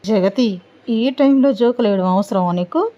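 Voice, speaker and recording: A woman voicing a mild, placating middle-aged man who speaks gently. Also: high voice, animated, normal speed, highs cut off, pitched above the performer's own voice. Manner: soothing, gentle.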